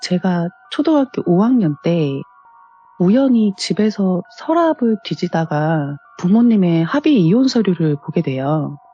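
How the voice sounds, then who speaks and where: A woman's voice: fairly low pitch, expressive, measured pace, dark tone, slightly rough, highs cut off. A woman politely telling her own ghost story in a conversational, explanatory way. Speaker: caller telling a personal story. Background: background music.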